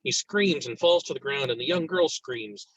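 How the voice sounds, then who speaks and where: A man's voice: mid-range voice, animated, normal speed, low-quality recording. A man reading stage directions aloud as scripted narration for a screenplay table read.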